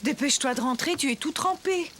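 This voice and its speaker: A woman voicing a caring, patient but firm mother in a French children's cartoon, expressive and clearly articulated. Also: sits high, fairly quick, noisy background. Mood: caring, coaxing.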